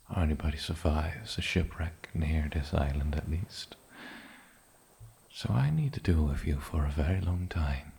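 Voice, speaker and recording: In a soft-spoken ASMR fantasy roleplay, a man with a very deep, exaggerated voice plays an ancient island demon who is lonely and possessive. Breathy and often slipping into whispers, he carries a halting, sinisterly polite menace, with slight background noise.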